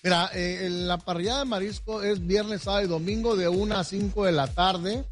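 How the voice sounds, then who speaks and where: A man's voice: high voice, fairly even intonation, normal speed, faint music behind. A man with a Mexican Spanish accent, a chef enthusiastically listing dishes one by one on a live radio remote from a hotel restaurant. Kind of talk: on-air promotional chat.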